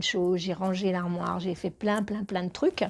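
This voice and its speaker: Through noticeable background noise, a woman speaks with monotone, flat intonation. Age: 60s. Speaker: vlogger. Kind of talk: casual vlog chat.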